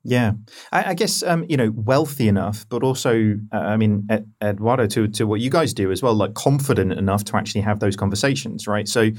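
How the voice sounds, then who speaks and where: A man's voice: fairly low pitch, a little fast, darkish tone. A man hosting a podcast in a casual, joking way, full of "I mean" and "like". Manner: chatty, joking, uses fillers like "I mean" and "like". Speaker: podcast host.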